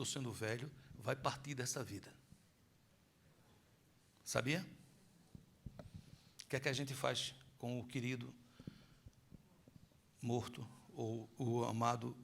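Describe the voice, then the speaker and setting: A man's voice: mid-range voice, gravelly, fairly bright tone. A middle-aged man, preaching a sermon as pastor, quizzing his congregation with rhetorical questions and telling stories.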